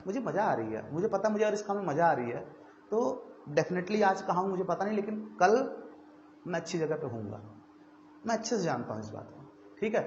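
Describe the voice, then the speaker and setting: A man's voice: on the high side, a little mellow. A young male coaching teacher giving students an earnest, conversational talk, checking in often to see that they follow. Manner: earnest, conversational, frequent "theek hai" check-ins. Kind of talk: motivational classroom talk to students. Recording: echoey, dull lo-fi room recording with faint noise.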